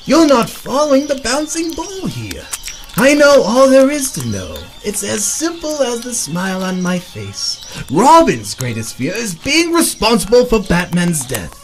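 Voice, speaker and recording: Shrieking manic clown supervillain. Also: male voice, sits high, huge pitch swings, measured pace, soft background music, exaggerated voice, rough recording. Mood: gleeful taunting. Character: manic sadistic clown supervillain, gleefully cruel, taunting.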